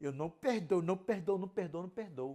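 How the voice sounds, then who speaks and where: A man puts on a shaky, high-pitched character voice and speaks at a moderate pace. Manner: trembling with rage and hatred.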